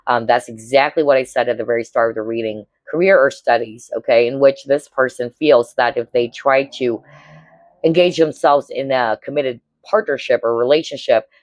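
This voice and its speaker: Woman, hoarse cracking voice, chatty tarot reader, dry close sound. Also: a bass voice, moderate pace, darkish tone, no room sound, low-quality recording. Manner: chatty, keeps checking in with "all right?" and "okay?". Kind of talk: casual pick-a-card tarot reading to viewers.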